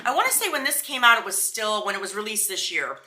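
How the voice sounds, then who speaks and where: Bright, sassy woman reviewing products. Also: mid-range voice, big pitch swings, fast. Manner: sassy, emphatic, slangy. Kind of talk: casual chatty product review. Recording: roomy indoor echo.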